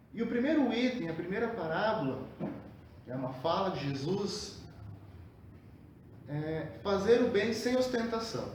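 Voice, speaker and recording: With noticeable background noise and audible room echo, a man speaks at a fairly slow pace in a high pitch, with very wide pitch swings and long, frequent pauses. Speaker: spiritist lecturer. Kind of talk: sermon. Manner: soft-spoken; halting.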